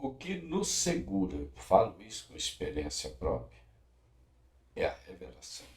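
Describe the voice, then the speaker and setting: The speech moves very slowly, with long, frequent pauses and big swings in loudness. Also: man. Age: 70s. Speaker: pastor. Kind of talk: interview giving advice.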